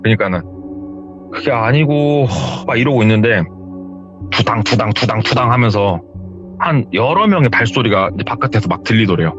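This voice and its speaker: A man's voice: fairly low pitch, fairly quick, highs cut off, over music. A man vividly retelling a true horror story he heard, in a casual interview. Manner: lively, vivid storytelling with hearsay phrasing. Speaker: storyteller guest.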